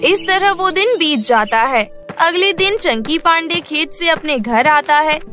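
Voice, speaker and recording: Woman narrating a kids cartoon story, very high voice, soft music under. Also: lively intonation, measured pace.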